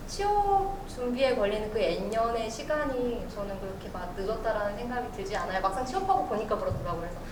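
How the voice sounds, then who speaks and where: A woman bank employee on a panel, speaking earnestly and encouragingly to job seekers. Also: medium pitch. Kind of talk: panel talk. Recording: echoey hall, distant mic, noisy.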